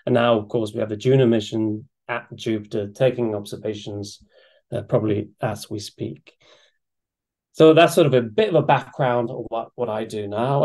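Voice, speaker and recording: A man's voice: mid-range voice, darkish tone. A middle-aged man from Sweden giving a public science lecture over a video call, talking in a chatty, eager way with restarts and fillers. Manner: enthusiastic, conversational, with frequent restarts and fillers. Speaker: astrophysics lecturer. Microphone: webcam or desk mic on a video call.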